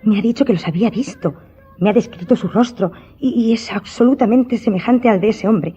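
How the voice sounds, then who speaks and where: A woman's voice: medium pitch, a little fast, dark tone, husky. A woman playing a superstitious, imperious countess in a radio drama, speaking in a formal, dramatic, insistent way. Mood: frightened, pleading. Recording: dull recording with background music.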